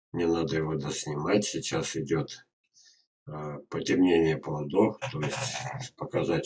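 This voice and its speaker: An older man giving an informal instructional webinar talk, speaking haltingly with drawn-out words and pauses. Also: deep voice, a little mellow, low-quality recording. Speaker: gardener presenting an online lesson. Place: indoors in a small dim room at a computer.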